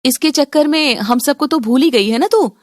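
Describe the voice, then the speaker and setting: A woman's voice: high-pitched, moderate pace, no room sound, clean studio sound, voice pushed up, close to an everyday voice. Brief: jealous cartoon mother, woman voice, taunting and sulky. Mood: reproachful. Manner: taunting, reproachful.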